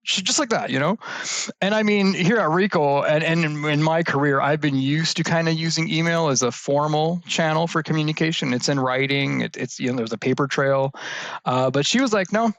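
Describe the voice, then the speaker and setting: A man speaking as an interview guest, telling animated anecdotes about his work with many fillers. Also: a little high, a little fast, no room sound. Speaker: guest, IT services business leader. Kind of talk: conversational interview answers.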